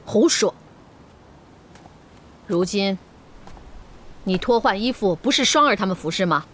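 A woman's voice: mid-range voice, expressive, unhurried, fairly bright tone. A middle-aged actress playing a stern, commanding noble mother in a period TV drama.

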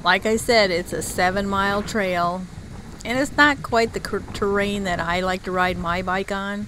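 A woman narrating her outdoor travel vlog in a measured, informative scripted voice-over. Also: medium pitch, fairly bright tone, a little hiss or hum, rough recording. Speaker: travel vlogger.

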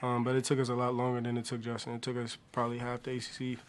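A young man, a college basketball player, answering postgame press questions softly and with many hesitant pauses, at a table mic in a press room. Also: medium pitch, monotone. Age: young adult. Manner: soft-spoken, many hesitant ums. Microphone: table mic on stand.

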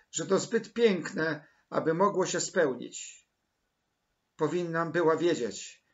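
A man's voice: on the high side, muffled recording, voice pushed up. A man voicing a melodramatic orphan girl. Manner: tearful, melodramatic pleading. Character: excitable red-haired orphan girl, dramatic.

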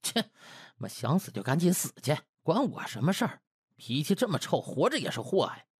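Man acting a brash young man, wildly animated. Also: fairly high pitch, normal speed, breathy edge, no room sound, clean studio sound, heavily acted. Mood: grumbling. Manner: blustering, muttering, colloquial griping. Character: Duan Lang, brash, indignant, foul-mouthed young man. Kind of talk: dramatized comic web-novel audiobook.

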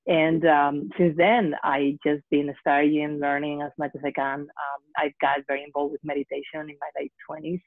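A woman's voice: deep voice, level tone, normal speed, dry recording. A woman from Spain with a Spanish accent, a guest on an online panel, speaking hesitantly with many fillers. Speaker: guest health coach. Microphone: video call. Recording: tinny phone-like call audio.

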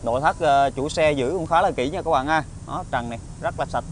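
A man with a southern Vietnamese accent giving an informal used car salesman's walkaround pitch, halting often with hesitations and tag words. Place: outdoor car lot, partly inside a car. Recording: outdoor phone recording with traffic ambience.

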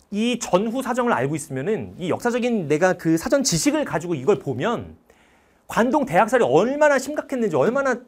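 A male history teacher giving a lively lecture that retells a film, a dramatic storyteller who quizzes his listeners with questions. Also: high voice, breathy edge.

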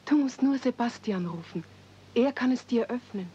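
An actress playing a kind, gentle, well-bred young girl in a 1970s radio play. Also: fairly high pitch, expressive, normal speed, lightly acted. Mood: gentle, curious. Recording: dull, noisy old radio play recording.

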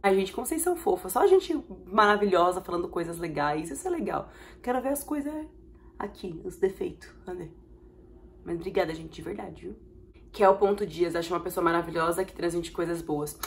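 A young woman with a Brazilian Portuguese accent, chatting expressively while reacting to viewer comments in a vlog, with sudden excited bursts. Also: fairly low pitch, brisk, creaky, a little hiss or hum. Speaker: vlogger.

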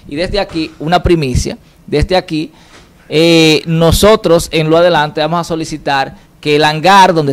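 Man with Dominican accent, higher-pitched voice. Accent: Dominican Caribbean Spanish. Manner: emphatic, with repeated check questions. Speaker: studio guest presenting an anniversary campaign. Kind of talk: animated interview talk. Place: indoor TV studio. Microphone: handheld microphone.

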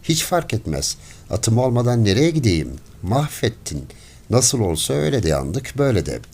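A man voicing a poor peasant man who pleads desperately and then rages and shouts, in an audiobook story. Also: mid-range voice, big pitch swings, normal speed. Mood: furious. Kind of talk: audiobook character voice.

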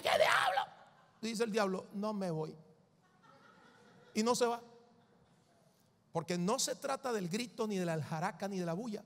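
High-voiced emphatic male preacher. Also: big-room sound. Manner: emphatic, repeats lists for the congregation. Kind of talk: sermon.

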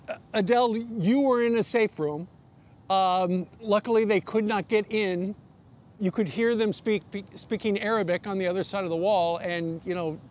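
A high-voiced American man in his sixties hosts a live news interview. His delivery is conversational and halting. City noise sits behind him in the open air. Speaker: TV news host interviewing guests. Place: outdoor rooftop terrace in a city. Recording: outdoor live broadcast, clear background noise.

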